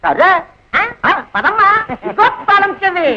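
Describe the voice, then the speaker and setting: An actor playing a chatty village police constable who banters and teases in a rustic dialect, on an old film soundtrack. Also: male voice, very high-pitched, big pitch swings, a little slow, highs cut off, full character voice. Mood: teasing. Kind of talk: comic film acting.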